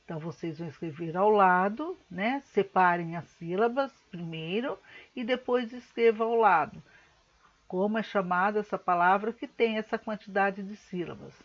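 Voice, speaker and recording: A schoolteacher talks her pupils through an exercise, patient and methodical, stretching some words out slowly to show their syllables. Her voice sits at an ordinary middle pitch for a woman. The recording sounds a bit dull and lo-fi. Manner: patient, explains step by step, slows words down to split syllables. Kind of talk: recorded remote lesson.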